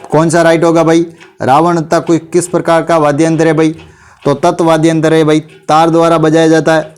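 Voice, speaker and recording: A man's voice: fairly high pitch, darkish tone. A male teacher with a sore throat, running a quiz revision class and urging students on with repeated friendly address. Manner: repeats "bhai", urges students to answer quickly.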